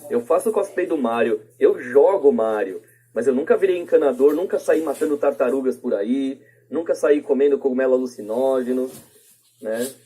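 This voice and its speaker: A man's voice: medium pitch, normal speed, warm tone, husky. A Brazilian man chatting casually on a podcast in a colloquial way, often checking for agreement. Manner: colloquial, seeks agreement with tag questions. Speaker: podcast speaker.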